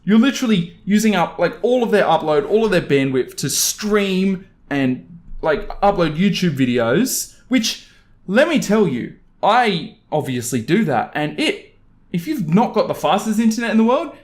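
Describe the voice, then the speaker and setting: A young man from Australia reads online stories as a host, adding casual, animated and exasperated commentary. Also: sits high, normal speed. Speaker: YouTube host reading Reddit stories. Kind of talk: story reading with casual commentary.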